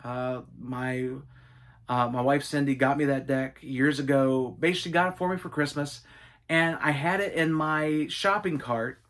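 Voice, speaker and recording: A middle-aged man hosting a casual Q&A video, telling stories with enthusiastic, animated asides. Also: medium pitch, measured pace. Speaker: gaming and wrestling channel host. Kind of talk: casual Q&A monologue.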